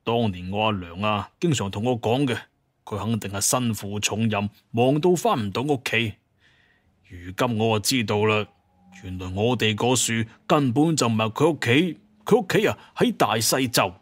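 A man's voice: lowish voice, moderate pace, dry recording, natural voice. A man playing a proud, bitter hunter clan heir in an audio drama, with an emphatic manner. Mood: bitter, indignant.

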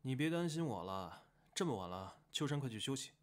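A man's voice: medium pitch, sing-song, a little fast, lightly acted. A laid-back young man voiced by an actor in an amateur radio play. He sounds casual, caring and a little exasperated, in a mid-range voice. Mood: coaxing. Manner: coaxing, casual. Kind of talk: amateur radio drama acting.

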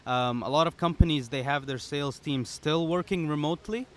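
A man's voice: a little high, fairly quick. A man in his twenties from the United Arab Emirates, explaining things casually as a podcast interview guest. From United Arab Emirates, born in Serbia. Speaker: interview guest, startup founder. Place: outdoor pop-up podcast booth at a conference. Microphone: boom-arm podcast microphone. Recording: outdoor event ambience behind voice. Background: outdoor conference ambience.

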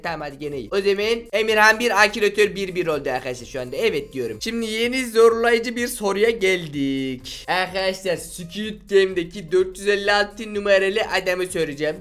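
A man doing casual gaming commentary, reading quiz questions aloud and answering them with teasing, excitable asides. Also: high voice. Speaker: gaming YouTuber.

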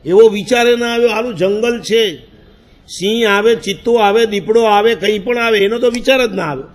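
A man's voice: sits high, moderate pace. A man, a Jain monk telling a story in a sermon, acting out his own past words and laughing as he goes.

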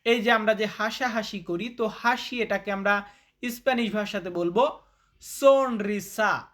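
A man's voice: sits high, measured pace, a bit bright. A man teaching a spoken vocabulary lesson. He repeats each word to drill it, quizzes the listener, and addresses viewers informally as brother. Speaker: language teacher.

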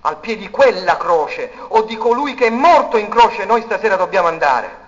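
A man preaching a sermon, swinging between loud declaiming and hushed, intimate passages. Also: high-pitched, lively intonation, normal speed. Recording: dull recording in a reverberant hall.

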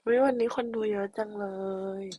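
A young woman chatting casually with fans on a live stream, reading their comments and sometimes slipping into soft whispers. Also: a little high, fairly even intonation, a little fast. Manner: playful, reads comments aloud, drops to soft whispers.

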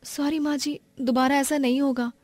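A woman voicing a meek, dutiful young daughter-in-law in an animated family story, speaking deferentially. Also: high-pitched, normal speed, dry recording, natural voice. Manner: deferential, apologetic.

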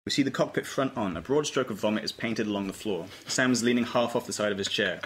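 Male narrator for a script read-through: quick, lowish voice, faint background noise. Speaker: narrator reading stage directions. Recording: faintly noisy table read recording.

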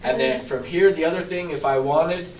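Guy trainer going over software in a classroom, kinda hoarse, echoey far-off mic. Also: on the high side, normal speed. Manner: explanatory, casual, self-deprecating. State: losing his voice, throat-clearing. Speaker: real estate agent trainer. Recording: echoey room from far off, faint hiss.

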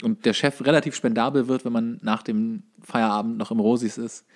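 A man's voice: medium pitch, fairly even intonation, fairly quick. A young man co-hosting a podcast, recounting bar anecdotes casually and colloquially, often repeating words as he goes. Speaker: podcast co-host.

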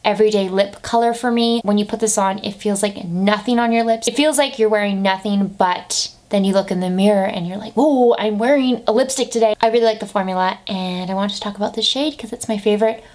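A woman's voice: medium pitch, fairly even intonation, fairly quick, hardly any pauses, darkish tone. Young woman, mid-twenties, chatty beauty vlogger, casual and upbeat, camera at desk distance. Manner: chatty, upbeat, lots of "like" fillers. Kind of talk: casual monthly favourites chat. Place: bedroom with desk and lamp, indoors.

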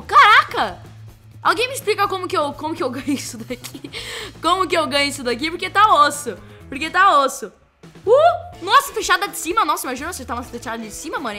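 A young Brazilian woman with a Brazilian Portuguese accent, commenting excitedly on her own gameplay and repeating her exclamations. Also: extremely high pitch. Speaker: gaming youtuber.

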